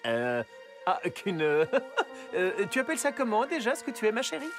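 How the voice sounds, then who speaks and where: A man's voice: high voice, huge pitch swings, moderate pace, over music, heavily acted. A man voicing a bumbling, good-natured policeman dad in a French-dubbed cartoon, a bit muddled and hesitant. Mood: firm, muddled.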